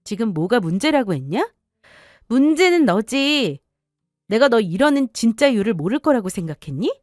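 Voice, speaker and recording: A fed-up wife who confronts her husband with sharp, cold accusations, played by a woman in an audio story. Her voice sits high and swings widely in pitch, and it is recorded dry and close. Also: sing-song, normal speed, no room sound, soft background music. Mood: accusing.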